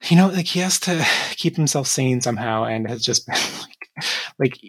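A woman's voice: a bass voice, lively intonation, normal speed, breathy edge. A young woman co-hosting a podcast, rambling in casual chat with plenty of filler words and frequent laughs. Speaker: podcast co-host.

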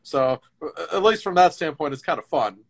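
Animated man talking hockey. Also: on the high side, fairly quick. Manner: animated storyteller, lively emphatic swings. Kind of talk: casual hockey chat.

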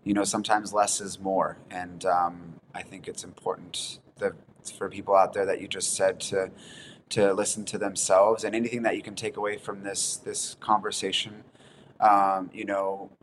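A man in his thirties, a chef guest on a podcast, speaking calmly and earnestly in casual chat. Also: deep voice, normal speed, slight background noise. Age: 30s.

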